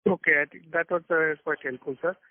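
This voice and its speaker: Polite guy asking stuff on a conference call, highish voice, phone quality. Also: steady tone, brisk, dry recording. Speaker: call participant asking questions. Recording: tinny narrowband phone line.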